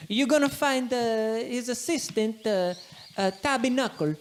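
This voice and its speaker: A woman's voice: a little high, measured pace, a little hiss or hum, pitched above the performer's own voice, close to an everyday voice. A woman voicing a chatty middle-aged man giving a quest, speaking in broken English with lots of hesitant fillers.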